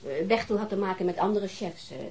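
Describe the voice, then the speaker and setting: A woman's voice: medium pitch, fast talker, a little mellow, breathy edge, close to an everyday voice. An actress playing a weary, defensive divorced mother, answering questions hesitantly in a naturalistic radio drama. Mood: guarded.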